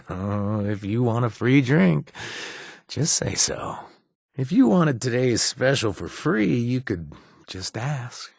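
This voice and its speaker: A wry, husky ex-raider. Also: male voice, mid-range voice, sing-song, slow pace, no echo, clean studio sound, full character voice. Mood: joking. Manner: joking, warm and protective. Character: wry ex-raider man, friendly informant. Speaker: game companion. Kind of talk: video game voice lines.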